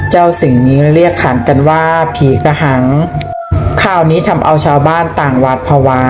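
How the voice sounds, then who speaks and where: A narrator reading a scripted horror ghost story. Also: medium pitch. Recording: music under the voice. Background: music.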